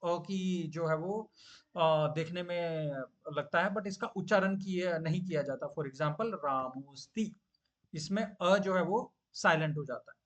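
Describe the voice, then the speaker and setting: In an online class, a male Gita teacher with a high voice patiently explains scripture, often stretching out hesitation sounds and slipping English phrases into his speech.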